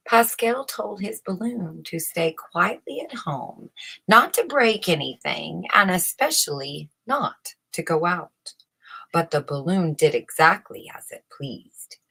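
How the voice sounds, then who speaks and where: Woman, husky, lowish pitch, slow pace, expressive scripted storybook narration. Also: poor audio. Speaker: storyteller reading a children's book aloud.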